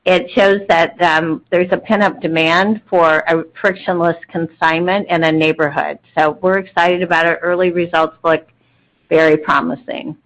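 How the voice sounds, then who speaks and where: A woman's voice: fairly low pitch, steady tone, moderate pace, a bit bright, poor audio. A woman speaking as a company executive, giving an explanatory update to investors on an earnings call. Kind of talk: explanatory business talk.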